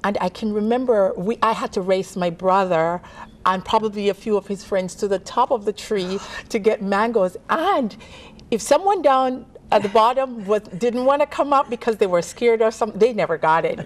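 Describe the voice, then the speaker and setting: A woman from Jamaica, a pastor and guest, telling stories of her childhood in a relaxed way and laughing often. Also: medium pitch, normal speed. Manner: warm storytelling, laughs often. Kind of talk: casual interview chat.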